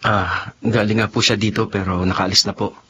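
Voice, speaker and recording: A Filipino actor playing a gentle, anguished young gay man in a melodramatic radio drama, hesitant and pleading. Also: lowish voice, little pitch movement, normal speed, slight background noise. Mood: subdued, hesitant. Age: young adult. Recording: studio radio drama with music underneath.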